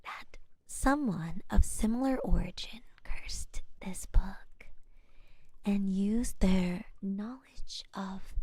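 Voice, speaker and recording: Scholarly witch, acted by a woman for ASMR roleplay: breathy near-whisper, unhurried, earnest and caring. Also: medium pitch, no room sound, full character voice. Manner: hesitant, thoughtful, explaining gently with pauses. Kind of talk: soft-spoken ASMR roleplay. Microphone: close microphone, dry sound.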